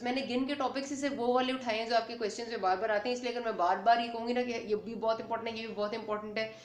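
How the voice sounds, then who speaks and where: A woman's voice: sits high, reverberant. A young woman teaching an exam-focused pathology lecture, explaining step by step and often checking in with her students. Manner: explanatory, mixes English terms into speech, frequent "ठीक है" check-ins. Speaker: medical lecturer.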